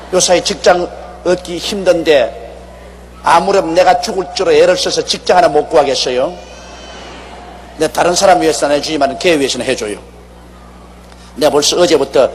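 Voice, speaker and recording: A man preaching a sermon as pastor, animated and acting out quoted speech, with wide swings between loud emphasis and soft asides. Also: high-pitched, in a large hall, a little hiss or hum.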